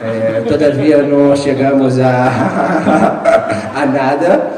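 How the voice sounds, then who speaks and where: Brazilian man in his forties, Portuguese native, slow and halting with a joking tone, mic at a distance in a big reverberant hall. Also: mid-range voice, a crowd in the background. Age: 40s. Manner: halting, joking, frequent restarts and chuckles. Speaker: author presenting his book. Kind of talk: live panel talk at a book fair. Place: large hall with long reverb. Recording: echoey hall, far from mic.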